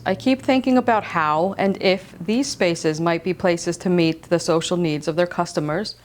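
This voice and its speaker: A woman from Iceland hosting a slow-living knitting podcast, speaking calmly and gently, first in reflective narration, then in casual chat. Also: mid-range voice. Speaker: podcast host. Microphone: wireless transmitter mic.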